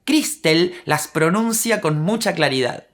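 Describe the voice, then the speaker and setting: Brief: Argentine woman host, low voice, animated scripted narration. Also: a little slow, a little hiss or hum. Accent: Rioplatense Argentine. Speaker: language teacher and channel host.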